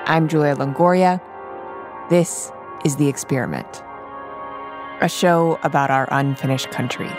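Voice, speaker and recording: A woman hosting a podcast, delivering scripted introductions in a clear, composed way. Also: deep voice, lively intonation, measured pace, long pauses. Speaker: podcast host. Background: music.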